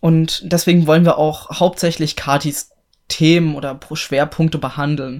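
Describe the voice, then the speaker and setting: A man talks at a fairly slow pace in a plain, everyday voice, pitched fairly high. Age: 20s. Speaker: podcast host, triathlete and coach. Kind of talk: casual chat.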